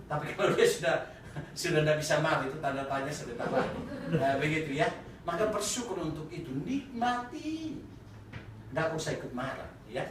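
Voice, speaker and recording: A male pastor giving a sermon, animated and joking with the congregation, at times laughing loudly. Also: fairly high pitch, brisk. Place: church chapel. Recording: echoey church hall, mic at a distance, noisy.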